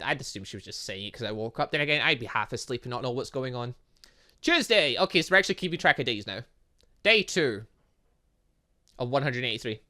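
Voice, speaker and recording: This is a gaming host doing let's play commentary with very animated pitch. The delivery is rambling and excitable, moving between reading game text and exclaiming in loose asides.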